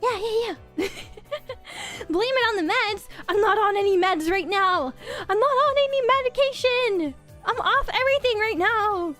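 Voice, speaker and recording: A woman's voice: very high-pitched, fairly bright tone. A young woman from Norway, chatting casually with her stream viewers and often restarting and repeating her words.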